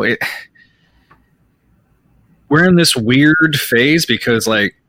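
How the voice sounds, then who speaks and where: A man co-hosting a casual comics podcast, slightly croaky from a sore throat, rambling with many restarts. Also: mid-range voice, bright, forceful tone, dry recording. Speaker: podcast co-host. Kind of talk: casual live-streamed comics podcast chat.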